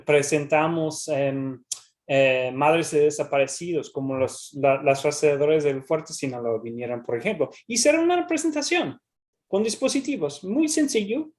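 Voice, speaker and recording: With a somewhat high, darkish voice, a native English speaker from the US works through an academic presentation and Q&A in careful Spanish. His delivery is halting, marked by frequent restarts and repeated words.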